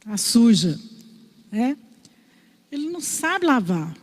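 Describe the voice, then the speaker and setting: Higher-voiced woman preaching in a reverberant hall. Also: takes it slowly. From Brazil. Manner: storytelling, animated voices for quoted father. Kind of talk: sermon. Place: church hall.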